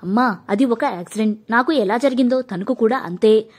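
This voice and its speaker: A woman voicing an earnest, injured young married man who pleads gently but firmly. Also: on the high side, fairly quick, husky. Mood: pleading, firm. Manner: pleading, firm.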